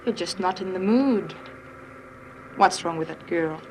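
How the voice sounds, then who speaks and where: A woman's voice: lowish voice, a little slow, a little hiss or hum, lightly acted, rough recording. A woman playing a blunt, flirty showgirl.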